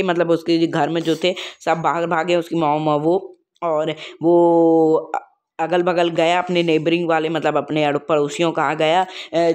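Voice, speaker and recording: A man teaching an English textbook chapter, reading lines out slowly and explaining them casually with many fillers. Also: on the high side.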